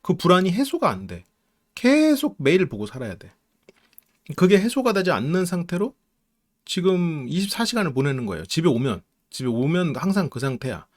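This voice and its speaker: Guy reacting to a reality show like a counselor, kinda high voice, swings up and down a lot, throws in the family's lines himself. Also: brisk. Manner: animated, acts out quoted lines of family members. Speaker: counseling psychology YouTuber. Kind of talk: casual commentary reviewing a reality show. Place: home studio, live stream.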